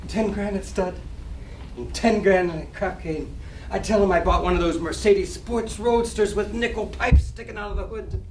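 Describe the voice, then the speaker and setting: A man's voice: high-pitched, normal speed, close to an everyday voice. An actor in a dramatic stage reading, playing a boastful, maudlin small-time gambler with slangy wise-guy talk. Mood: wistful boasting. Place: library reading room. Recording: distant roomy recording with clear noise.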